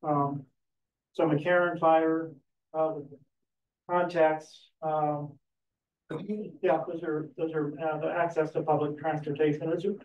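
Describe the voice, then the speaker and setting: A man commenting from the floor at a public meeting, speaking haltingly and asking pointed questions. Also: fairly high pitch, a little mellow. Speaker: resident commenter. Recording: muffled, echoey and distant.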